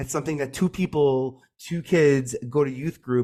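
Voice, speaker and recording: A man speaks at a moderate pace. He has a New York accent. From Staten Island, New York. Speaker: media strategist. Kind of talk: podcast interview. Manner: animated; stuttering repetitions.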